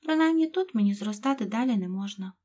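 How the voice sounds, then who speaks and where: A woman voicing young Alice, a curious girl musing aloud to herself, in a husky voice. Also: mid-range voice, quick pace. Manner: lively, musing.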